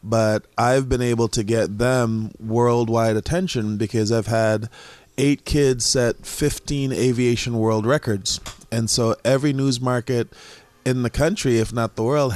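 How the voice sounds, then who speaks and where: A middle-aged man from Jamaica, a museum founder and guest, talking casually in a relaxed way with frequent pauses. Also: mid-range voice, no room sound. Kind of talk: casual conversation.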